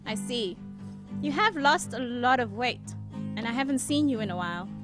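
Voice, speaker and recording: A woman's voice: fairly high pitch, lively intonation, normal speed, lightly acted. A woman playing a caring, probing young student and big sister in an audio drama, with guitar music behind. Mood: welcoming.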